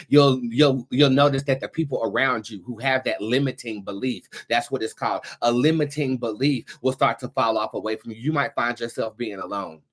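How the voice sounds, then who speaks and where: A man hosting an online show, giving a blunt, profane, campy motivational monologue with emphatic repetition. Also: medium pitch. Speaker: show host, tarot reader and spiritual coach.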